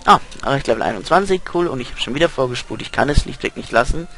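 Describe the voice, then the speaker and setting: A man's voice: medium pitch, expressive, rapid-fire, fairly bright tone. A young man doing casual let's play commentary, reading game text aloud with sarcastic asides. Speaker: let's player.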